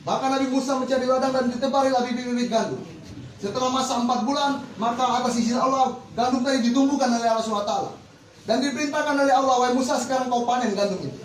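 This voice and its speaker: A man's voice: very high voice, very fast. A man preaching a Muslim sermon, exhorting listeners with rhetorical questions. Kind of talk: religious sermon to an audience. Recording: echoey, distant mic with faint noise.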